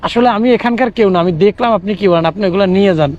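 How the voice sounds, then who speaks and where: Out on a city street, a young man from Bangladesh films a vlog, pleading, coaxing, and saying things over and over. His voice is high and a little mellow, he races along, and the audio sounds dull.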